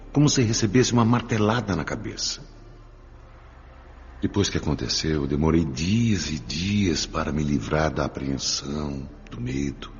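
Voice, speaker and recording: An actor playing an ailing, anxious middle-aged head of a household in a radio drama, with a Brazilian accent. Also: male voice, rumbling low, exaggerated voice. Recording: dull, reverberant, some noise.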